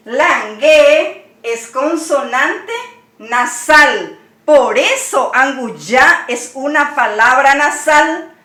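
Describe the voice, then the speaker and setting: A woman's voice: sits high, sharp tone, reverberant. A woman teaching a language lesson, patiently spelling words out letter by letter and explaining each one.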